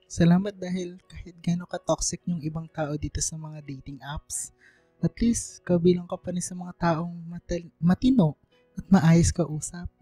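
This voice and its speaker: A woman's voice: fairly low pitch, fairly even intonation, normal speed, dark tone, slightly rough, dry recording, soft background music. A woman playing an insecure young gay student in an emotional, hesitant radio drama performance. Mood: subdued, grateful. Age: young adult. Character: tipsy, insecure young gay student, self-doubting and giggly.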